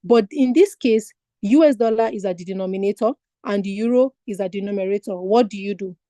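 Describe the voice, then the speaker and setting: A woman's voice: mid-range voice, brisk, dark tone, no room sound. A woman from Nigeria teaching an online finance exam lesson, explaining step by step and asking her class rhetorical questions. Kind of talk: online lecture.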